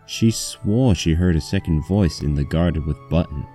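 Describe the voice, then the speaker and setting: A man's voice: a bass voice, moderate pace, dark tone, faint music behind. A man reading a scripted story aloud as its narrator.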